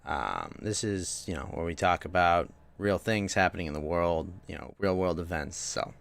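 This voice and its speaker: A man's voice: deep voice, lively intonation, normal speed, gravelly, a bit bright. A young man streaming games from home, chatting loosely with his chat, restarting sentences a lot. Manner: rambling, many restarts, talks to chat. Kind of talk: casual live-stream chat.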